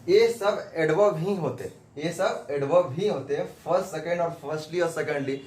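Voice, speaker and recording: A man giving a whiteboard grammar lesson who keeps asking questions and answering them himself, repeating points. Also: on the high side. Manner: repetitive, asks and answers his own questions. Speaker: English grammar teacher. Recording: echoey room with faint background noise.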